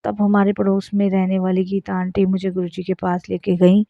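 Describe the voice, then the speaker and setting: A woman's voice: medium pitch, monotone, moderate pace, vocal fry, dry recording. A woman in her thirties earnestly sharing a spoken devotional testimony, repeatedly addressing her listeners. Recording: dull lo-fi sound.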